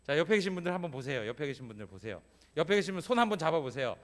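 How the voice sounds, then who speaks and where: A man's voice: a little high, very animated, racing. A male pastor delivering a Sunday sermon in a church, talking conversationally and often checking in with the congregation. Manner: conversational preaching, frequent "예?" prompts to congregation. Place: church sanctuary.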